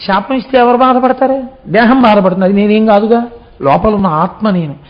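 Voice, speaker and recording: A man's voice: sits high, brisk, highs cut off. A man giving a devotional sermon, explaining as he tells a story and asking rhetorical questions. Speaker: religious discourse speaker.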